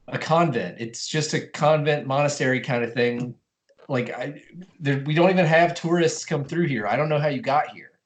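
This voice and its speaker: A man's voice: a little high, lightly acted. A man playing a stammering, flustered monk. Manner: stammering, earnest, keeps correcting himself. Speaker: improv performer.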